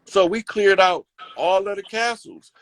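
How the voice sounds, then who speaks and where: A man's voice: high voice, a little slow, low-quality recording. A man giving a confident, rambling talk in a casual conversational style. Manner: confident, emphatic, rambling with fillers. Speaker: host.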